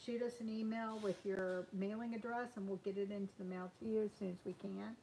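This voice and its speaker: A woman's voice: mid-range voice, steady tone, a little fast, creaky, dark tone, a little hiss or hum, poor audio. A woman in her sixties chatting casually on a live stream while hand sewing at a table in a small sewing room, with frequent ums and restarts.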